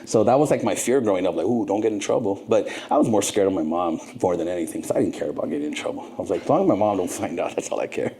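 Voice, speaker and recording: A man in his fifties from Southern California, a podcast guest telling his life story in an earnest, animated way. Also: low-pitched, racing, few pauses. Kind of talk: casual interview storytelling.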